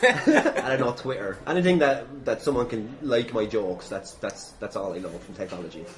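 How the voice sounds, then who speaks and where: A male podcast host in loose, jokey conversation. He wanders off on tangents with self-deprecating humour and often laughs as he talks, at an average pitch for a man. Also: lively intonation, moderate pace. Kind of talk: casual comedic podcast interview chat.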